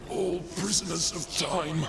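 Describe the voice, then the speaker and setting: An actor playing a weary, despairing old soldier in a video game, speaking in a strained, halting, solemn way over watery background noise. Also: male voice, a little high, steady tone. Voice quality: gravelly, strained. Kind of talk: video game cutscene acting.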